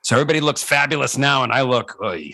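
Male, middle-aged, medium pitch. Interview guest and coach, conversational storyteller with emphatic, repeated phrasing. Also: lively intonation, quick pace, gravelly, bright, forceful tone. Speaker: guest, voice-over coach and former voice actor.

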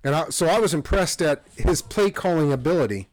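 Rambling man, slightly high voice. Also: expressive, a little fast, no echo. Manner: rambling, self-correcting, chuckling. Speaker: podcast co-host. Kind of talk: casual sports chat.

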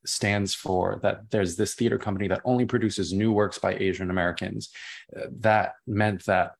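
A young man with a naturally deep voice, a playwright answering interview questions in an expansive, enthusiastic way that drifts into tangents. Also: fairly even intonation, moderate pace, creaky. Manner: expansive, enthusiastic, prone to tangents and repeated words.

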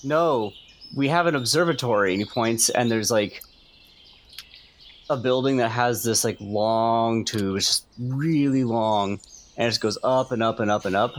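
A man at a tabletop game eagerly cuts in with an explanation. His voice is mid-pitched, and faint noise and birdsong sit under it. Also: moderate pace. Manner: eager, jumps in. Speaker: player.

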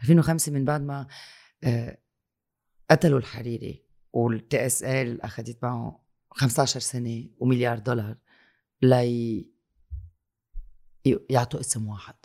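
A man's voice: mid-range voice, fairly even intonation, normal speed, long pauses, a little mellow. A man with a Lebanese Arabic accent in a conversational political discussion, speaking emphatically with repeated phrases, rhetorical questions and some French and English words mixed in.

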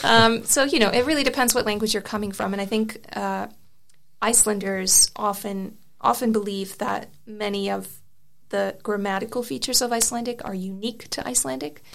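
A woman's voice: mid-range voice, fairly even intonation, moderate pace, creaky, a bit bright. A young woman whose first language is Serbian, explaining her views thoughtfully as an interview guest. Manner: thoughtful, frequent restarts and fillers. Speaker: interview guest, article author. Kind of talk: conversational interview.

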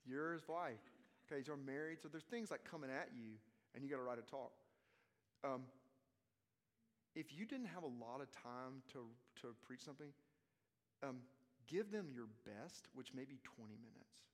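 A man with a Southern US accent answering questions in a casual, halting teaching style, rephrasing as he goes. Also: mid-range voice, expressive. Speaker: preaching teacher leading a question session. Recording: long reverb of a large hall.

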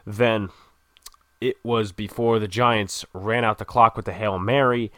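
A man casually recapping a football game, an excitable fan who swears and laughs, moving between calm play-by-play and loud outbursts. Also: fairly low pitch, unhurried, no echo, studio quality. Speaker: sports podcast host.

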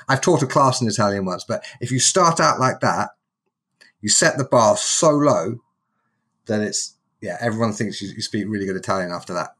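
A man's voice: fairly low pitch, expressive, normal speed, a bit bright, husky. A man, hosting a podcast in a chatty, humorous storytelling way. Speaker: podcast host. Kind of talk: casual podcast interview.

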